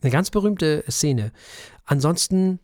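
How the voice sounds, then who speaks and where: A man's voice: a little high, lively intonation, slow, a little mellow, no echo. A man with a mid-range voice chatting as a co-host, wry and joking, often trailing off and restarting. His voice is recorded dry and close to the mic. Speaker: podcast co-host. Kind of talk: casual chat.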